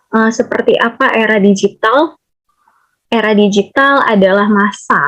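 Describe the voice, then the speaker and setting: A woman presenting a training lecture from slides, explaining steadily and often pausing on hesitations. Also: fairly high pitch.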